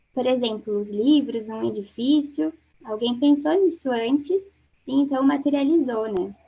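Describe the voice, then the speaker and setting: Lively intonation rides on a dark, mellow tone. The delivery is fairly slow. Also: woman, high pitch for a woman. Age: 20s. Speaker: dentist and student presenter. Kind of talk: personal reflection presentation.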